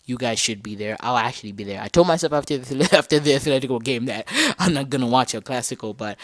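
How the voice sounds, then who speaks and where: Young man from Zambia, podcast host. Mid-pitched voice, casual and slangy, thinks out loud and backtracks, dry close recording. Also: fast talker, no room sound. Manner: animated, slangy, thinks aloud and corrects himself mid-sentence. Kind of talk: casual solo football talk.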